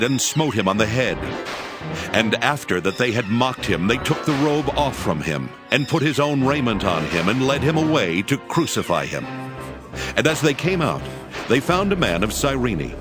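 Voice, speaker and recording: A man's voice: mid-range voice, big pitch swings, normal speed, over music. A man narrating scripture as a dramatized reading.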